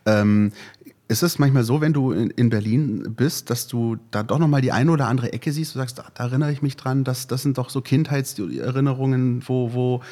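A male podcast co-host asking quick questions with many repeated words. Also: medium pitch, warm tone. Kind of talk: interviewing.

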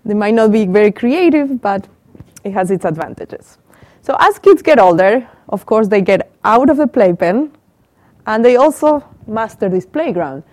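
Her voice is mid-range, animated and a little mellow, at a normal speed, and the recording is dry. She's a middle-aged professor from Argentina with an Argentine Spanish accent, lecturing interactively to a small group in a small room with a live audience. Using a handheld mic, she asks them questions and repeats their answers.

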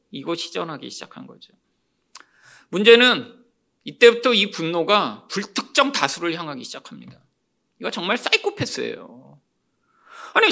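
Male pastor, sermon; high, gravelly voice that keeps calling out to the congregation. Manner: animated, often calls out to the congregation. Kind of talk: expository sermon.

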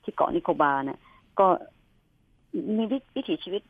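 A woman's voice: normal speed, no room sound. A middle-aged woman speaking earnestly and with passion as a guest in a radio interview. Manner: earnest, impassioned advocacy. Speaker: guest, elephant researcher and park founder. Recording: tinny phone-like radio sound.

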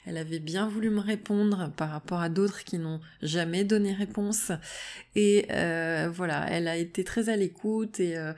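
A woman's voice: fairly low pitch, normal speed, darkish tone. A woman hosting her own podcast as a naturopath, talking casually with many fillers and restarts. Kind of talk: casual solo podcast talk.

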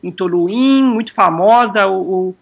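A man from Brazil with a Brazilian Portuguese accent, a touring cyclist chatting in an interview, lively and teasing, often repeating words as he starts. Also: high-pitched, measured pace, creaky. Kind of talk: casual interview chat.

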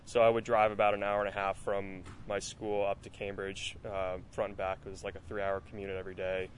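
Flat-voiced young man, low and even. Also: fairly quick, a little hiss or hum. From Massachusetts, USA. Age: young adult. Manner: steady storytelling with fillers. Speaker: college rower. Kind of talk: interview answers.

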